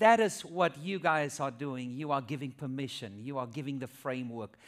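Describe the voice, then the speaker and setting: Speaking with a South African accent at a moderate pace, a man uses lively intonation in a very clean recording with a silent background. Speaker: pastor. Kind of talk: sermon. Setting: church stage with audience.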